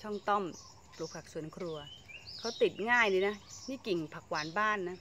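A woman's voice: medium pitch, moderate pace, fairly bright tone. A woman talks her way around her home vegetable garden in a casual, chatty way, often exclaiming over what she finds. She is outdoors, with faint background noise and birds chirping around her. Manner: chatty, exclaims and laughs while showing plants. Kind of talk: casual garden tour vlog.

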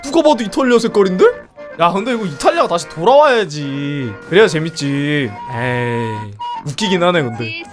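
A man's voice: on the high side, sing-song, normal speed, music in the background. A young man commentating a multiplayer strategy game live, exclaiming and laughing often, his voice a little strained. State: strained voice from singing.

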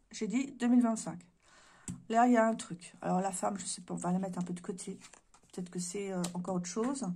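A woman doing a casual card reading to camera indoors, musing aloud with many hesitations and her voice giving out. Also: a little high. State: voice giving out, clears throat. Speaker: card reader. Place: room indoors.

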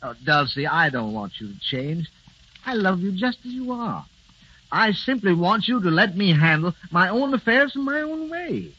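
An earnest, stammering businessman husband in an old 1930s radio play. His voice is high and very bright and swings widely in pitch, and the old broadcast sounds muffled and lo-fi. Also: expressive, normal speed, husky, exaggerated voice. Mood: tender. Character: fretful businessman husband, fond but exasperated. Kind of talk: 1930s radio drama acting.

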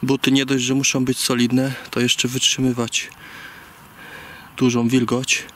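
A man in his forties talks in a level, even tone as he walks a leafless forest. His voice comes through an action camera held on a stick, with faint hiss from the outdoors behind him. He speaks plainly and takes his time. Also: mid-range voice. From Poland. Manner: unhurried, plain, talks while walking. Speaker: hiking vlogger. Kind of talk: casual spoken walk-through narration. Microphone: action camera on a selfie stick.

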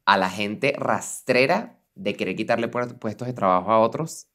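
A young man with a Venezuelan accent co-hosting a casual podcast, expressive and reactive. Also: lowish voice, normal speed. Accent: Venezuelan Spanish. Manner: expressive, reacts with repeated exclamations. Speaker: podcast co-host. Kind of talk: casual chat, reading listener stories.

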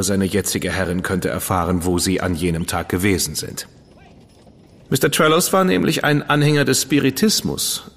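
An actor playing a witty, decadent dandy detective's partner in a German radio drama, flippant and ironic. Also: male voice, lowish voice, in a large hall. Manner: flippant, ironic, self-satisfied.

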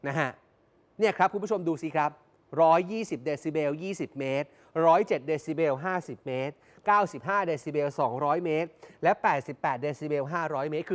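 A man's voice: high voice, fairly bright tone. A man reporting on location for a news show, speaking straight to viewers and repeating phrases for emphasis.

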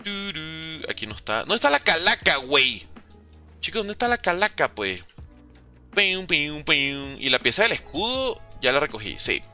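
This man's voice is a little high and sing-song, sharp in tone and at a normal pace, with faint music behind it. He's a Venezuelan gaming streamer at home in a room with a window, casually reading chat and joking with his audience as he plays.

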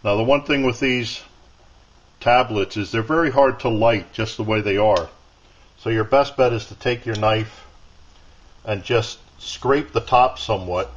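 A man with a fairly low voice talks through a demonstration step by step in a plain, unhurried way. He is at a workbench in a home workshop, caught by the camera's own mic off screen. The sound is dull and lo-fi. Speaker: outdoor gear video maker. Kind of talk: casual hands-on demonstration.

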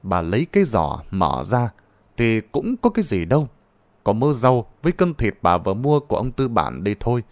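A man's voice: fairly low pitch, big pitch swings, normal speed, dry recording. A man narrating a ghost story in a dramatic, suspenseful manner.

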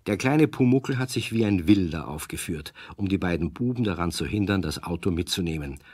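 A man narrating a children's audio story, conversational and animated, as if talking to young listeners. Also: sits low, a little fast, a little hiss or hum. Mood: storytelling. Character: chatty male storyteller addressing young listeners.

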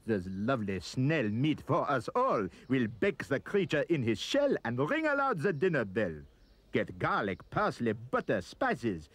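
A man voicing an excitable, hungry French mob, shouting greedily. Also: medium pitch, measured pace, slightly rough, voice pushed up, full character voice. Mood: greedy, shouting.

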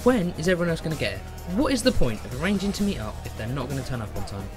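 A man's voice: fairly high pitch, big pitch swings, rapid-fire, over music. A man playing a fussy young male student in an audio drama. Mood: exasperated.

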